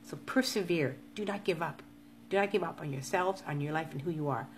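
A woman in her fifties with a deep voice speaks a little fast in a casual monologue to live-stream viewers, with a little hiss or hum in the audio. She earnestly repeats her motivational urging again and again.

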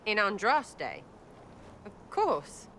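An actress voicing a flippant, irreverent young elf archer in a fantasy game, with a slangy British accent and blunt delivery. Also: female voice, medium pitch, wildly swooping pitch, extremely slow, sharp tone, a little hiss or hum, exaggerated voice. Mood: defiant, uneasy. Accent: English, colloquial British. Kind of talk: fantasy video game acting.

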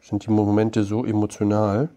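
A man in his thirties, a psychologist, giving direct advice on parenting and then gently questioning his young son. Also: lowish voice, level tone, normal speed. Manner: direct and explanatory, often checks in with "ja?". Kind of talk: advice talk to camera, then chat with his child.

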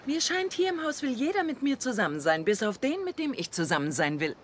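Flirty confident celeb in a sitcom, lively intonation, noisy tv audio. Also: female voice, sits high, fairly quick. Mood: playful, confident. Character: self-assured, flirtatious celebrity woman in a sitcom. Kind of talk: dubbed sitcom acting. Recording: noisy sitcom soundtrack with audience laughter.

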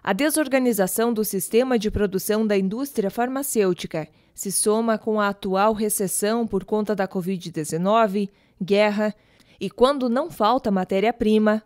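A woman news reporter reads a scripted report in a steady, measured tone. The recording is dry and close, with no room sound around her voice. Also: medium pitch, no room sound. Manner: even, measured reporting delivery.

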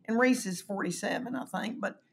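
A woman in her fifties, a comedian guest on a video call, telling candid stories in an earnest, self-deprecating way that often trails off into quieter asides. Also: medium pitch, fairly quick, breathy edge. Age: 50s. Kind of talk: candid conversational storytelling. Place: home room on a video call.

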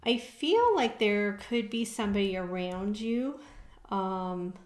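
A woman with a mid-range, lively voice speaks slowly as she gives her viewers a casual tarot card reading. She keeps the tone conversational and often pauses to check in with an "okay?" The room she's recording in is echoey.

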